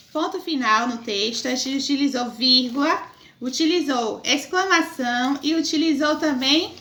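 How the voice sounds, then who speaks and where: A Brazilian woman teaches young pupils in a high, bright, forward voice. She dictates sentences and their punctuation piece by piece, tagging on short questions to check. The recording is roomy and echoing. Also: slight background noise. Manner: dictating, reading out slowly and spelling out each mark. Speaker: primary school teacher. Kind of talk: lesson going through punctuation exercises.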